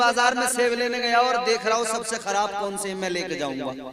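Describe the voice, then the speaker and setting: Noticeable background noise sits behind a man's high, raised, projected voice with lively intonation. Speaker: Islamic preacher giving a religious sermon. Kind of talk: sermon delivered at a public religious gathering.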